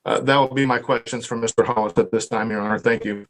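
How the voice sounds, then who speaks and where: A male prosecutor speaks in formal legal phrases in a courtroom recording. His voice is mid-pitched and very even, with little melody. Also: quick pace, rough recording.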